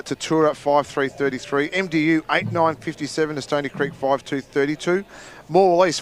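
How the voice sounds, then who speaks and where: A man with an Australian accent giving casual football analysis and reading out scores, chatty and quick to laugh at his own slips. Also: on the high side. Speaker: expert commentator. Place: outdoor football ground.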